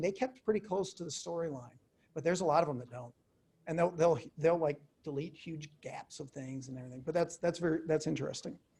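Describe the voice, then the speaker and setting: A man with a Minnesotan accent talks at a fairly quick pace. His pitch is fairly high, with ordinary variation. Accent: Minnesota. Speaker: professor. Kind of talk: lecture.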